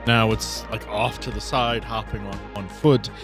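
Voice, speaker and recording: A man acting as game master, narrating a tabletop role-playing game in descriptive, deliberate detail. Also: lowish voice, fairly even intonation, music in the background.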